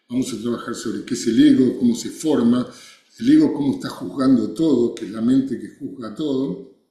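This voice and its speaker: At a moderate pace, a man with a Rioplatense accent speaks with big swings in loudness. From Argentina, Buenos Aires. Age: 60s. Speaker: meditation teacher. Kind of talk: online masterclass talk. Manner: conversational.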